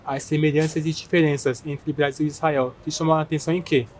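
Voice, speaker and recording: A man's voice: a little high, flat delivery, fast, slight background noise. A man acting as interviewer, asking short, plain questions.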